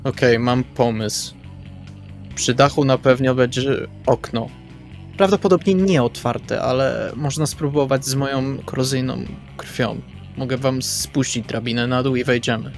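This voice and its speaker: A man's voice: mid-range voice, a little slow. A man taking part in a tabletop roleplaying game with casual, in-character planning talk. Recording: background music with guitar. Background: guitar music.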